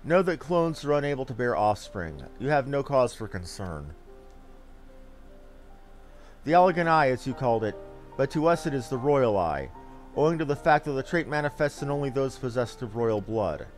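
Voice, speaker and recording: A man's voice: mid-range voice, very animated, fairly quick, faint music behind, voice pushed down, natural voice. Man playing a stately, solemn ancient guardian. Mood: calm, reassuring. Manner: archaic, stately phrasing. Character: solemn ancient clone guardian, formal and grave. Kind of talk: fantasy game dialogue read aloud.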